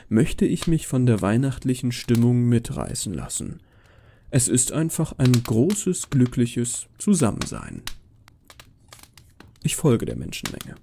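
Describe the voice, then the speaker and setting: Male narrator for horror fiction, measured delivery, soft dark tone with fry. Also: medium pitch, a little hiss or hum. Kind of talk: scripted first-person story narration.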